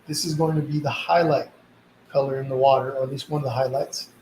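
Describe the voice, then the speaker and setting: Hosting a live painting session, a man talks fast in a steady, medium-pitched, slightly mellow voice. He has a few sniffles from a mild cold and keeps his guidance relaxed and reassuring. There's roomy echo and some background noise.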